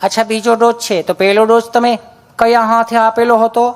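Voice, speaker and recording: A man voicing a gently coaxing woman nurse in a stand-up joke. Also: very high voice, flat delivery, moderate pace, clear, resonant tone. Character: sweet-talking woman nurse at a clinic.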